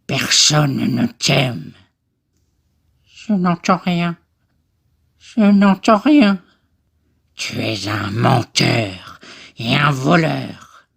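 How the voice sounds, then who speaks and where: A man voicing a wretched, small film creature, torn between spite and pleading, with a raspy, creaky voice. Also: mid-range voice, expressive, drawn-out words, pauses often, a bit bright, heavily acted. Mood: pleading, distressed. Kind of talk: film character imitation for voice demo.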